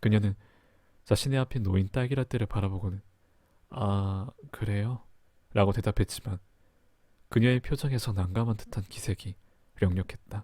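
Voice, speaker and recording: Moderately paced speech from a man, fairly low and somewhat breathy, with a dark, mellow tone, fairly even intonation, and long, frequent pauses, on a very clean recording with a silent background and a dry, close sound with no echo. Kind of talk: romance roleplay story narration.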